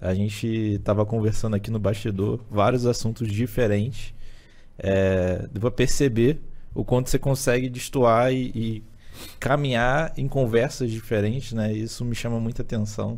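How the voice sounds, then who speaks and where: A man speaks at a fairly slow pace in a medium-pitched voice. Audible room echo surrounds him. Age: 30s. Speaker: podcast co-host, business partner. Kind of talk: casual interview.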